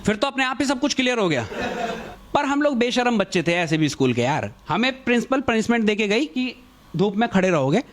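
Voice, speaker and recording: Animated young male stand-up comedian. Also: a little fast, a little hiss or hum. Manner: animated, acts out quotes with shifting pitch. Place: comedy stage with audience.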